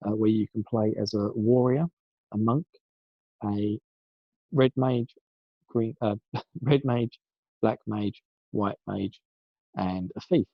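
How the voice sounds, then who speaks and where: A man talks casually with a rough, husky voice that comes from a sore throat, wandering and correcting himself as he goes. His voice sits low and gravelly. The recording is dull and dry, like a lo-fi home mic. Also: no room sound. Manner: chatty, rambling, self-correcting. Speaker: podcast guest segment presenter. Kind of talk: casual pre-recorded segment.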